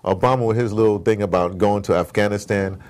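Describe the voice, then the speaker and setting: Fairly low and darkish, his voice moves at a quick pace with fairly even intonation. The man is an American audio drama producer being interviewed casually, spinning rambling, opinionated tales full of digressions and acted-out exchanges.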